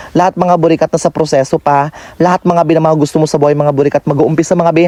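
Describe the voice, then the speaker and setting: A young man from the Philippines narrates his family food vlog in a teasing, campy comedic voice-over. He talks very fast, in a slightly high voice, tossing in playful asides. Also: a little mellow. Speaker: vlogger.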